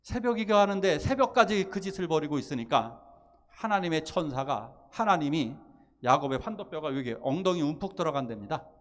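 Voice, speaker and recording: A male pastor preaching a sermon, telling a story with animated delivery and acting out the pleading voices of its characters. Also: fairly high pitch, fairly quick. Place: church sanctuary.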